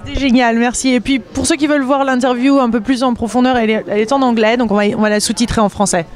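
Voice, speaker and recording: A woman's voice: a little high, fairly even intonation, fast talker. A woman hosting a conversational interview, repeating words as she searches her way through questions. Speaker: interviewer, web TV host.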